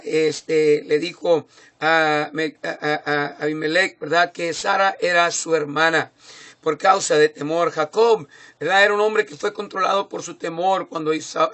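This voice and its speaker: A man's voice: high-pitched, bright, forceful tone. A man preaching a sermon, speaking with many fillers and tag questions and rising in volume for emphasis. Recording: phone recording.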